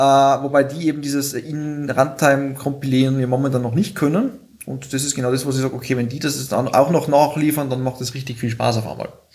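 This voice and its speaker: This man has an unremarkable speaking voice set at a fairly high pitch. He talks at a fairly quick pace with fairly even intonation. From Austria, Tyrol. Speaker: software consultant. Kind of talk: technical talk in casual live stream. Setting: live video stream.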